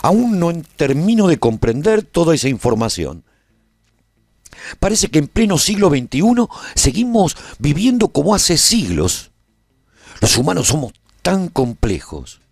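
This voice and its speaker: A man's voice: a little high, wildly swooping pitch, a little slow, gravelly, darkish tone, no room sound, studio quality, heavily acted. A male actor playing a weary, nostalgic warrior who survived the end of the world, narrating his saga in a solemn, theatrical radio drama style. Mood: troubled, reflective. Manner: solemn, brooding, theatrical delivery. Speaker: narrator and protagonist of a radio serial.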